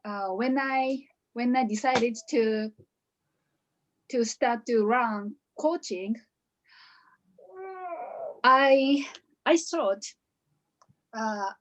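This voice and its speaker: Slow, hesitant Japanese-accented woman. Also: fairly high pitch, a bit bright, low-quality recording. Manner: hesitant, many restarts and fillers. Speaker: coaching graduate. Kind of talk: graduation speech.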